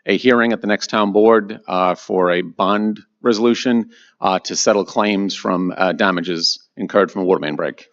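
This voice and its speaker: A man, a town water commissioner, explaining an agenda item slowly and hesitantly at a meeting. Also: fairly low pitch. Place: town hall meeting room. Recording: dull lo-fi audio from a distance.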